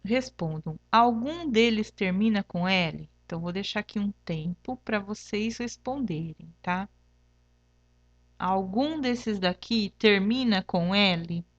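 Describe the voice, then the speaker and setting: A woman's voice: medium pitch, slow pace, dry recording, lo-fi sound. A woman teacher with a Brazilian Portuguese accent, patiently explaining a lesson and checking in with "tá?" after each point, spelling examples out syllable by syllable. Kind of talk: remote classroom lesson.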